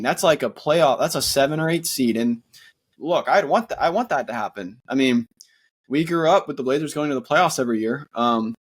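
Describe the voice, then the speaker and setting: A man's voice: medium pitch, husky. Man, sore throat, worn voice, casual podcast co-host, earnest, rambling. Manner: earnest, rambling with many fillers and restarts. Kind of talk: casual sports podcast chat.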